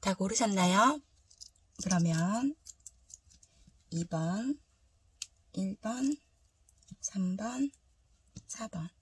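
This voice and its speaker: A woman hosting a tarot reading, hoarse from a throat cold, speaking politely and conversationally as she explains to viewers. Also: mid-range voice, expressive, very slow, pauses often. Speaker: tarot reader, channel host.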